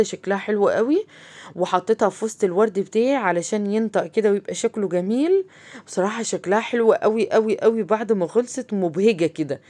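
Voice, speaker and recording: Quick, chatty Egyptian craft host. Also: female voice, medium pitch, darkish tone. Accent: Egyptian Arabic. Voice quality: chatty, talks straight to viewers, many fillers. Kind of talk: casual craft tutorial.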